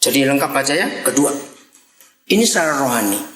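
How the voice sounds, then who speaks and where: An older man preaching a lively, joking sermon to a congregation, swinging between loud bursts and quiet asides. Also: mid-range voice, fairly quick, roomy sound.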